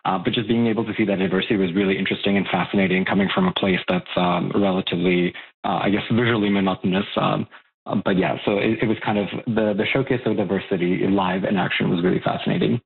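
A man's voice: low voice, steady tone, quick pace, creaky, slightly rough. A man from Bosnia and Herzegovina, a young adult, speaking as a guest expert in a radio interview, thoughtful with many fillers and restarts. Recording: tinny phone line.

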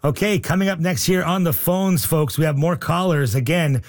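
A man hosting a radio call-in show, upbeat and joking, reading out the phone number slowly. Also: fairly high pitch. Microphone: studio microphone.

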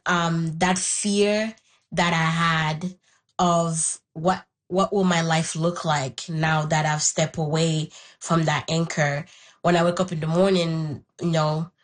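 A young woman from Haiti whose first language is Haitian Creole, thoughtfully telling her own story as an interview guest and searching for the right words. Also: on the low side. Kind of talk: reflective personal story.

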